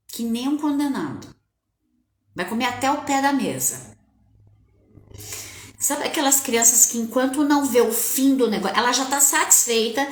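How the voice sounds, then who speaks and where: Woman coach, conversational live talk to viewers, higher voice with lively swings, roomy echo. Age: adult with a child. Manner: animated, conversational, addresses viewers directly. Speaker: parenting coach. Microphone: webcam or phone on a live stream. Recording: echoey room.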